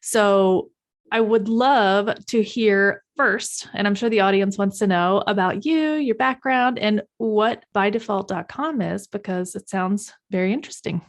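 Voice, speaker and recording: A woman's voice: medium pitch, a little slow. A woman hosting an interview podcast, upbeat and encouraging toward her guest. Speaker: podcast host.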